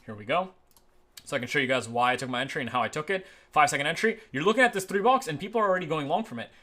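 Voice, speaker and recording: A man teaching trading as he walks through charts on his screen, tagging his points with "right?" and moving between quick and slow stretches. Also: on the high side, lively intonation, bright, forceful tone. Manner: repeats "right?" as a tag, talks through live charts; uneven pace, speeds up and slows down. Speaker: trading educator. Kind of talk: screen-share chart walkthrough.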